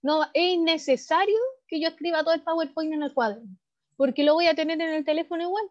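Chilean woman teacher, high voice, explains patiently over a muffled video call. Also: fast. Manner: frequent tag questions, explanatory. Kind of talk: online class lecture. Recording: dull lo-fi video call audio.

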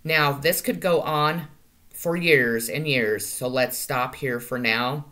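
Bright, forceful-voiced woman vlogger. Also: very deep voice, slow. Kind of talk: monologue to camera, delivering claimed channeled messages. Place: small room at home, indoors.

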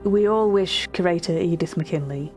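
A woman playing a cultured, earnest art curator, narrating a fiction podcast in a formal, precise and measured manner. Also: lowish voice, darkish tone, soft background music, close to an everyday voice. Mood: formal, gracious.

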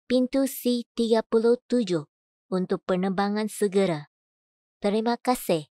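A woman voice-over artist reads prepared copy in a medium-pitched voice. Her delivery is measured and clearly enunciated, and the recording is close and dry. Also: dark tone, no room sound. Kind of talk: scripted voice-over demo: adverts, narration, announcements.

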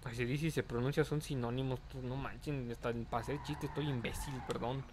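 A man's voice: mid-range voice, fairly even intonation, brisk, noisy background. A young man with a Mexican accent commentating a live game stream, joking in slang and greeting viewers from the chat. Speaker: gaming streamer.

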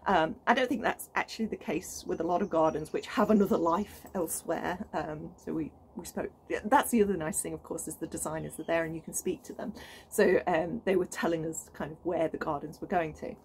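A British gardening vlogger in her thirties talks a little fast in a low, darkish voice while filming herself on her allotment plot outdoors. The chat is casual and keen, peppered with ums and restarts. There's slight background noise.

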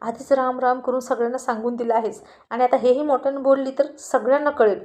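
A woman's voice: high voice, fairly even intonation, fast talker, a little mellow, lightly acted. Woman voicing teasing best friend Kirti. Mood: knowing. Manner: teasing, knowing.

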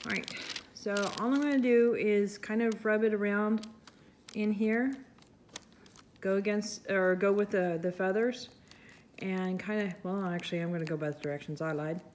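A woman in a relaxed, chatty crafting tutorial talks through her work at a home table, thinking out loud and teasing herself. Her voice sits at an ordinary middle pitch and has a soothing quality. Faint background noise runs under her. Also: moderate pace. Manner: chatty, self-deprecating, thinks aloud. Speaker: resin artist, channel host. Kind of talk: casual crafting tutorial narration.

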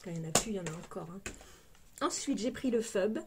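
A woman's voice: medium pitch, expressive, fast talker, slight background noise. A woman with a Parisian French accent chatting casually through a makeup unboxing, exclamatory and full of little fillers. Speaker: beauty vlogger.

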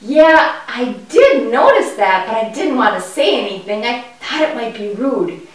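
A woman voicing a curious, naive young boy puppet in a children's show, with wide-eyed, exaggerated and deliberate delivery. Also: on the high side, very animated. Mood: hesitant. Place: indoor puppet stage, far from the mic. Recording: echoey room, distant microphone.

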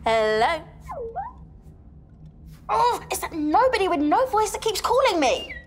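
A woman playing an excitable young female crew member in a children's space comedy, shouting and theatrical. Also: very high-pitched, unhurried, noisy background, full character voice. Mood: frantic.

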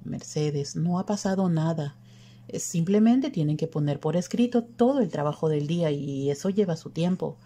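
A calm older man in a spoken audiobook, as a woman reader voices him. His lines come low and steady, in a reassuring tone. The voice is deep, dark and mellow. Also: normal speed.

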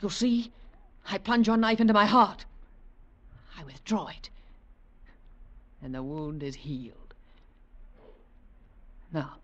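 A woman's voice: mid-range voice, lively intonation, slow, long pauses, fairly bright tone. An actress playing a seductive, coldly power-mad woman with an imperious, theatrical manner in a 1940s radio drama. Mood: scornful, commanding. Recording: muffled 1940s radio recording.

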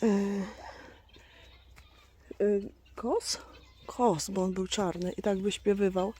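Slow, mellow-voiced woman on a farm. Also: mid-range voice, fairly even intonation, slight background noise. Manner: chatty, talks to her goats and viewers. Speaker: vlogger on a small farm. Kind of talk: casual vlog chat. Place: outdoors on a farm with goats.

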